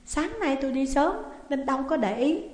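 A woman's voice: sits high, lively intonation, moderate pace, a little mellow, voice pushed up. A woman voicing a surprised village neighbor asking questions, in a roomy recording with long reverb.

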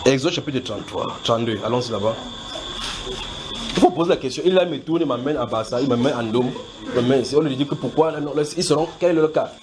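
A man's voice: medium pitch, fast. Cameroonian man teaching, noisy recording. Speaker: Bible teacher answering questions. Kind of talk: informal Bible teaching, question and answer. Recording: clearly noisy amateur recording.

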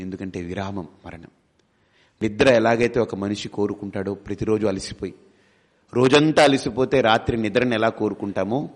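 A spiritual teacher with a fairly low voice gives a discourse full of animated stories, acting out family members and posing rhetorical questions he answers himself.

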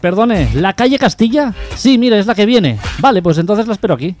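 A man co-hosting a local radio comedy show with a Catalan Spanish accent, reading out quick riddle jokes deadpan. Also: high voice. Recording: radio show with music clearly behind.

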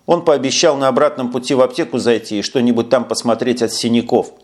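An easygoing young comrade talks calmly and plainly, as a male audiobook narrator reads him. The voice stays at a middle pitch. It is a friendly, matter-of-fact delivery. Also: fast talker, lightly acted.

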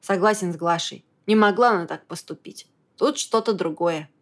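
A composed, steady man who speaks evenly and without hurry, keeping everyone calm, as a female audiobook reader voices him. His tone stays level throughout. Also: lowish voice, close to an everyday voice. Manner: even, unhurried, composed. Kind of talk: audiobook character voice.

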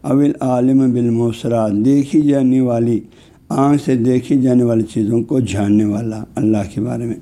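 A male Islamic scholar gives a religious lecture in a medium-pitched, dark-toned voice with fairly even intonation. He explains terms word by word, uses frequent filler phrases, and reads Arabic passages slowly.

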